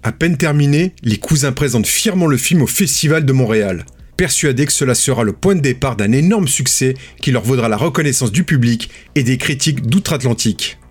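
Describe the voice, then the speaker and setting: Man, documentary narrator, slightly husky, measured storytelling, faint music underneath. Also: mid-range voice, animated.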